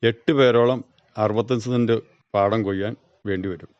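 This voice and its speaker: A man's voice: on the low side, fairly even intonation, moderate pace, smooth, dry recording. A man with a Kerala accent, a farmer being interviewed, giving brief, plain, matter-of-fact answers. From Kerala, India. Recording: dull, band-limited dry radio recording.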